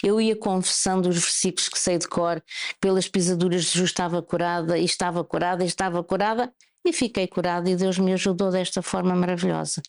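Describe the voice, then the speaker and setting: A middle-aged woman, calmly and earnestly telling her testimony in an interview. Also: fairly low pitch, fast. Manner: calm, earnest storytelling. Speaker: church member giving a testimony.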